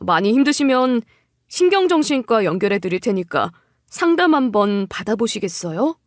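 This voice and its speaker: A woman voicing a caring doctor in a story drama, gentle and encouraging with a patient. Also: on the high side, sing-song, normal speed, no room sound, studio quality. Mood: concerned. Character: caring, reassuring doctor speaking to an expectant mother.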